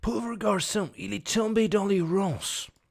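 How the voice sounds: A fairly slow pace marks this delivery. The put-on character voice stays at a middle pitch.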